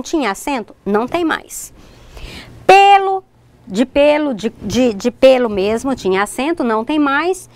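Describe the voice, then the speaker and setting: A Brazilian woman teacher with a fairly high voice leads a recorded distance-learning lesson, her pitch swinging widely. She works through examples step by step, pointing at them and addressing her students directly, often checking that they are following.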